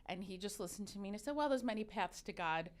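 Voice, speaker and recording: A woman's voice: mid-range voice, fast. A woman in her fifties, a religious educator and consultant, telling candid stories in a casual interview, with many restarts; her first language is Arabic. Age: 50s. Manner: candid, animated storyteller with frequent restarts.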